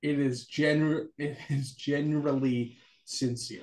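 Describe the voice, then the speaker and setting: A man speaks with an American accent. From California. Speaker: pastor. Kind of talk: casual chat. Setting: video call. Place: home room. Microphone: video call.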